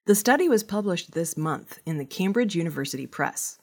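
A woman reading a scripted archaeology news bulletin with a measured, even delivery. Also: fairly low pitch. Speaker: news reader.

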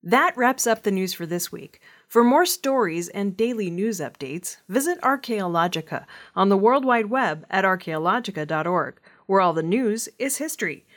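A woman reading scripted weekly news items in a measured, even delivery. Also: medium pitch. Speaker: news reader.

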